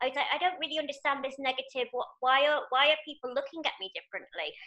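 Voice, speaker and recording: A woman's high-pitched, bright and sharp voice is raised and projected. She talks at a very fast pace with ordinary pitch variation. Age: 30s. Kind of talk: casual chat. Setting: video call.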